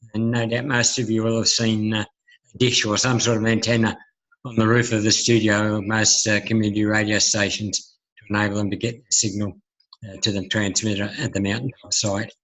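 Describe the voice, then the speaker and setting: A man with a fairly low voice and an Australian accent speaks at a fairly quick pace with monotone, flat intonation. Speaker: broadcast technology trainer. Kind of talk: webinar presentation.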